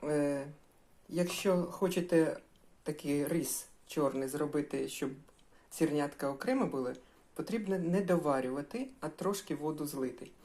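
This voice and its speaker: A woman's voice: deep voice, normal speed, dark tone. An older woman chatting in a homely way while she cooks breakfast, addressing her viewers as girls. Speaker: cooking vlogger. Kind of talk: casual cooking vlog.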